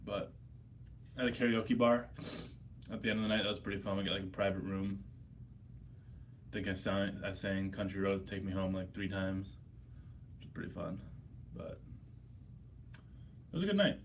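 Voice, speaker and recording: Hungover American male streamer, slightly deep voice, loose profane chat, faintly noisy room. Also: normal speed, long pauses. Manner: profane, blunt, slangy. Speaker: livestream host. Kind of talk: casual livestream chat answering viewers' questions.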